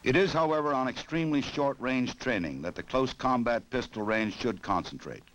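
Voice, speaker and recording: An American man reading scripted 1960s training film narration in a formal, measured, authoritative way. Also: mid-range voice, animated, fairly bright tone. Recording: noisy old film soundtrack.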